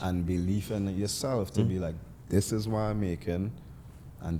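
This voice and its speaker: With a Trinidadian accent, a man speaks at a moderate pace in a very deep, low, dark and mellow voice, his intonation fairly even. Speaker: musician and poet. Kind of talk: interview answer.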